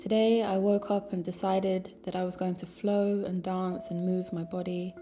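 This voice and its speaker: With music in the background, a woman speaks at medium pitch and a moderate pace in a monotone, flat intonation. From Barbados / England (mixed Bajan and English heritage). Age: 30s. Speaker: spiritual healer and wellness content creator. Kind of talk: welcoming intro to camera, calm spiritual tone.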